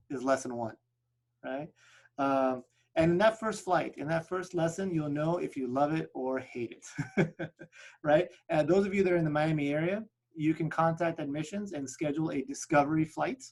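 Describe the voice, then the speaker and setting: An upbeat man whose first language is Spanish walks listeners through his flight school on a video call. His voice sits a little high for a man, and he keeps tossing in a quick "right?" as he pitches. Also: a little mellow. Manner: upbeat sales pitch, frequent tag "right?". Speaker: flight school representative presenting a webinar. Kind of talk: presenting slides on a video call webinar.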